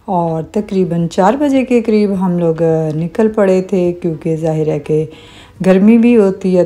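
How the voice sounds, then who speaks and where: Middle-aged woman, low pitch, very mellow tone, calm travel vlog voice-over. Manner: calm, unhurried narration with religious greetings and hesitations. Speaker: vlogger.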